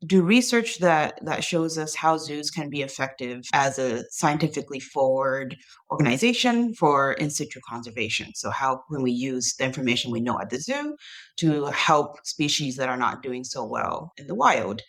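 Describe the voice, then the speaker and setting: Measured woman from Taiwan. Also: extremely low pitch, animated, fairly bright tone. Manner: measured, with occasional "um" and "kind of". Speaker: guest, zoo research curator. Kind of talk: interview self-introduction.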